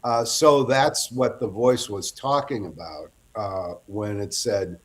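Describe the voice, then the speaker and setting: A man's voice: on the low side, takes it slowly. A middle-aged man, a guest author, telling long rambling anecdotes in a casual interview and often breaking off to restart.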